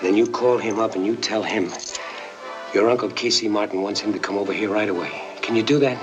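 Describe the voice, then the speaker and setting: An actor playing a hard-bitten ex-con who narrates in a terse, world-weary film noir manner. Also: male voice, on the low side, a little fast, close to an everyday voice. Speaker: narrator and lead. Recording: dull old film soundtrack with clear music.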